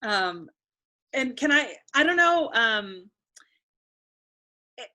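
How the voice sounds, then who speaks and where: Bright-voiced woman interviewer. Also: a little high, very animated, drawn-out words. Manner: friendly, hesitant, many fillers. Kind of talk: conversational interview.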